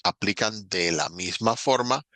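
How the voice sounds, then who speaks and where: A man, an English teacher explaining grammar patiently in a recorded online lesson and slowing down to spell out examples. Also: fairly low pitch, sharp tone, dry recording.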